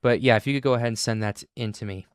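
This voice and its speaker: A man hosting a live weather stream, talking in halting bursts with many restarts. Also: medium pitch, smooth, no room sound, clean studio sound. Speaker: livestream host.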